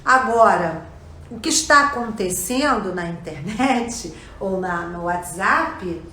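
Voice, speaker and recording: A woman's voice: medium pitch, lively intonation, slow, pushed and bright, slight background noise. A woman with a Brazilian Portuguese accent teaching a lesson, explaining step by step and often checking in with her listeners. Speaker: language teacher. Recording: echoey room.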